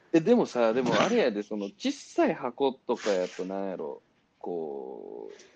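A man speaks at a fairly slow pace. His loudness rises and falls sharply. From Tokyo, outer 23 wards. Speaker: podcast co-host. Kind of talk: casual chat.

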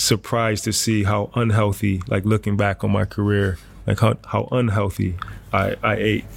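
An American man speaks in a flat monotone at a moderate pace. His pitch is fairly low. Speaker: basketball coach and former player. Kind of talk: casual interview.

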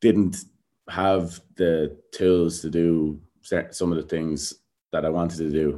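With a dark, mellow tone and a very deep, low pitch, a man speaks at a very slow pace with long, frequent pauses against a quiet background. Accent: Irish. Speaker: folk singer and musician. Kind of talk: casual interview. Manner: relaxed, filler-heavy speech.

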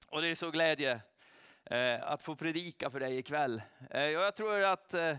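The recording is very clean with a silent background and a dry, close sound with no echo. A man speaks in a bright, sharp tone at a fairly high pitch with ordinary pitch variation. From Sweden, Ödsbyn (rural inland). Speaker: preacher. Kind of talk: sermon. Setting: conference hall with audience.

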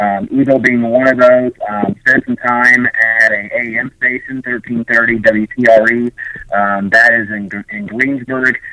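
A very slow man's voice with an American accent and fairly even intonation, a dry, close sound with no echo, and noticeable background noise. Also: medium pitch for a man. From Indiana. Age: 20s. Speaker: play-by-play broadcaster. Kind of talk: interview.

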